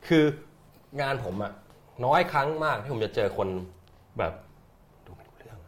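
A man's voice: mid-range voice, animated, moderate pace, a bit bright. A man, a theatre director, talking casually in an interview, rambling and repeating words as he thinks aloud. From Thailand.

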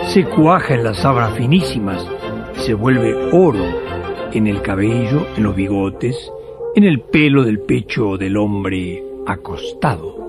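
A man telling a story for a radio play in poetic, deliberate phrases with pauses. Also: lowish voice, animated. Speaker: narrator. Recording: music behind the voice.

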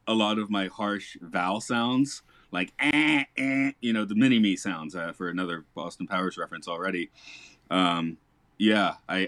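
A man with a fairly low voice hosts a relaxed podcast chat, and he laughs easily. His talk wanders and restarts as he thinks aloud. The sound is dry and close, with no room in it. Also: no echo. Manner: chatty, laughs often, rambling restarts. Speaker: podcast host, English teacher. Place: lives in Japan.

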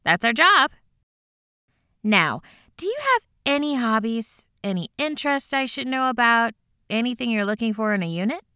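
A cheerful housing caseworker speaks in a bright, crisp voice with lively pitch. She reassures the caller and stays businesslike. The sound is dry and close. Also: moderate pace, no room sound. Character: upbeat adult woman housing caseworker. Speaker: housing phone agent.

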